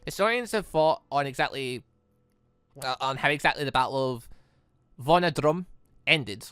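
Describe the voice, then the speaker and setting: A man's voice: medium pitch, fairly bright tone, no room sound. A man reading visual novel dialogue aloud as a gaming host, often stumbling and correcting himself. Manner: halting, stumbling over words and correcting himself.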